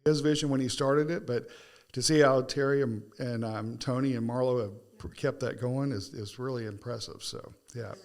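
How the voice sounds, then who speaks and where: A man's voice: medium pitch, normal speed. Chatty, joking male podcast host. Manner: chatty, joking, trails off and restarts. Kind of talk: casual interview.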